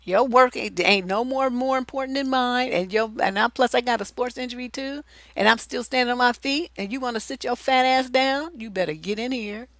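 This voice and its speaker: A woman's voice: on the high side, a little fast, a bit bright, no room sound. A middle-aged woman hosting a relationship advice livestream, talking bluntly and profanely with theatrical flair. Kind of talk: casual livestream advice chat.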